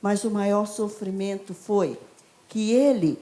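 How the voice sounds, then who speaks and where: A woman teaching a children's ministry training session in church, telling stories with lively acted-out voices and leading a group through repeated lines. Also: mid-range voice, takes it slowly. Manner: lively, acts out stories, leads group repetition.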